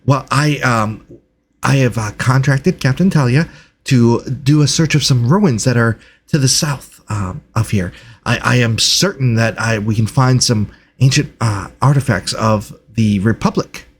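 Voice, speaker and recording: A man voicing a nervous, excitable, oblivious researcher who stammers and eagerly repeats himself in a tabletop roleplay. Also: medium pitch, measured pace, breathy edge. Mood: excited, earnest.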